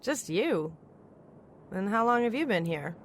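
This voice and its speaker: A woman's voice: medium pitch, sing-song, a little slow. Plucky, frank woman crash survivor. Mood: concerned, steady. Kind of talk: audio drama acting.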